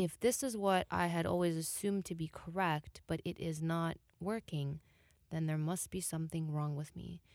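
A woman speaks at a fairly slow pace. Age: 30s. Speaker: podcast host. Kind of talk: interview.

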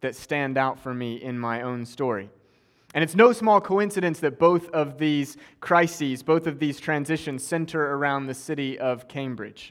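Fairly high-pitched for a man, this is a normal speaking voice with lively intonation at a moderate pace. The recording is very clean, with a silent background. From Oklahoma. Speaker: professor and guest preacher. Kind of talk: sermon.

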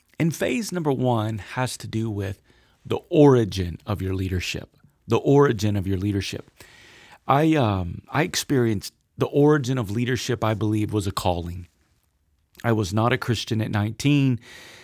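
A man with a normal speaking voice talks at a moderate pace and medium pitch, with ordinary pitch variation. The recording is very clean, with a silent background. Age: 50s. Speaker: podcast host and church leader. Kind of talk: solo podcast teaching monologue. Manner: warm, conversational with occasional laughs.

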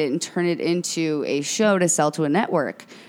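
A woman with an American accent speaks at a moderate pace. She has a fairly low pitch and a plain, everyday voice. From St. Louis, Missouri. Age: 20s. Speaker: stand-up comedian. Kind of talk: casual interview chat.

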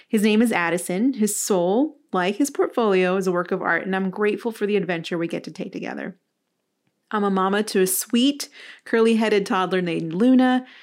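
Fairly quick delivery with a West Coast US accent, on a very clean recording over a silent background. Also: woman, medium pitch for a woman, ordinary pitch variation. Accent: General American, West Coast. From Los Angeles, California. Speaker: podcast host. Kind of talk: scripted monologue.

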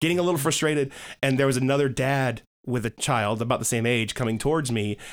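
A man talks at a very fast pace. His medium-pitched voice carries an American accent. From US South, Georgia (DeKalb County). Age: 40s. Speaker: youth pastor. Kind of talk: casual chat. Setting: studio.

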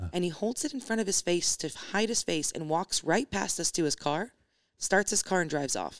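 A woman with an American accent, an unremarkable speaking voice and a medium pitch talks at a fairly quick pace with lively intonation, recorded very cleanly against a silent background with a dry, close sound and no echo. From Sunnyvale, California. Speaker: stand-up comedian. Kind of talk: casual chat.

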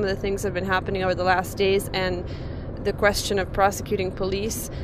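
A woman talks at medium pitch. Audible room echo and noticeable background noise fill the recording. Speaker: journalist podcaster. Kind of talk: casual chat. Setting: in a car.

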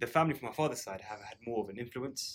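A man speaks at a fairly quick pace with a medium pitch. His tone is bright and sharp, with ordinary pitch variation. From Zimbabwe. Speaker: podcast guest. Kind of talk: casual chat.

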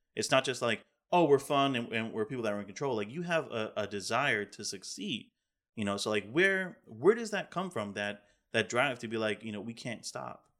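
This man has a normal speaking voice. He talks at a moderate pace with lively intonation. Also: medium pitch for a man, very clean recording, silent background. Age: 30s. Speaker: podcast host. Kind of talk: casual interview chat.

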